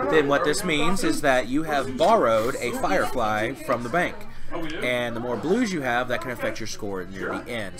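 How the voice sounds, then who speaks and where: A man co-hosting a show, casually explaining a board game's rules with frequent ums. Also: medium pitch. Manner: hesitant, many ums. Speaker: co-host reviewing a board game. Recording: loud crowd behind.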